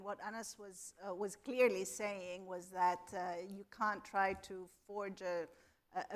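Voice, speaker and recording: A woman on a conference panel works through her argument in an orderly way, naming each point in turn. Her delivery is measured, with a voice of middling pitch. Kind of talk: panel discussion. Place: conference hall.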